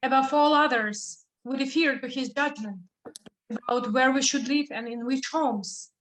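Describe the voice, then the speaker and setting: An actress playing a pleading suppliant in a Greek tragedy chorus, earnest and formal. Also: female voice, high-pitched, measured pace, a bit bright, rough recording. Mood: deferential. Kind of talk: dramatic reading of ancient Greek tragedy.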